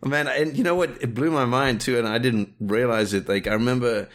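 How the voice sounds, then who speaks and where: A man's voice: medium pitch, a little fast. A middle-aged man from South Africa, a director talking casually in an interview, rambling with many restarts and fillers. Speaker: guest, director and animator.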